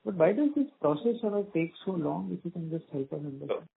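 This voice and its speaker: Gravelly man on a phone line. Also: on the high side, expressive, quick pace. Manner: hesitant, full of "you know". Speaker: analyst asking questions. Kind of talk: earnings call questions.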